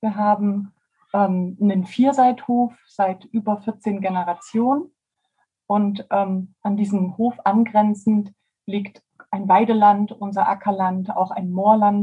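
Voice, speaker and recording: Somewhat breathy, a woman speaks at medium pitch and a very slow pace with fairly even intonation. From Saxony, northern (Nordsachsen). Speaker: organic farmer. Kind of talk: personal storytelling. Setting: video call from farm office.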